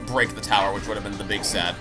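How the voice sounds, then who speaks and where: A man's voice: fairly low pitch, steady tone, fast. A man streaming a game, chatting with viewers and explaining his opinions in an analytical way while he plays. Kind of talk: live playthrough commentary and chat. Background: video game music and sounds.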